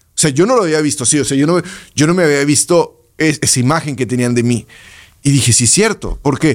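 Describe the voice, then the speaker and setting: In an ordinary speaking voice, a man with a fairly high pitch talks at a fairly quick pace, keeping very even loudness and ordinary pitch variation. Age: 40s. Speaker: podcast host. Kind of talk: casual chat.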